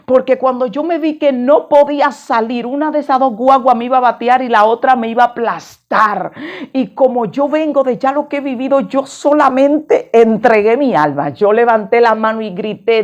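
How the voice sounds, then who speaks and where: A woman's voice: fairly high pitch, a little fast, muffled recording. A middle-aged woman pastor, telling a dramatic sermon testimony and acting out the voices in it.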